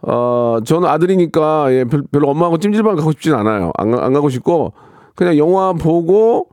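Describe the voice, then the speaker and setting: A man's voice: on the high side, lively intonation, brisk, a little mellow, no echo, clean studio sound. A man hosting a radio show, reading listener questions and giving blunt, joking advice with many fillers. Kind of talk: casual advice chat.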